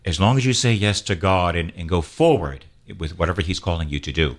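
A man's voice: deep voice, fairly quick. A man, a priest, hosting a radio talk show, earnestly exhorting and leading call-and-response prayer.

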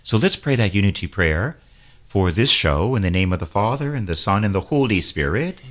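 A man's voice: fairly low pitch, lively intonation, normal speed. A man, a priest, hosting a radio talk show, earnestly exhorting and leading call-and-response prayer.

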